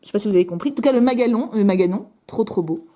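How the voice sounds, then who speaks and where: A bubbly French woman with a lively pitch hosts a card-opening video, chatting casually as she goes. She's talkative and self-mocking, tossing in quick asides.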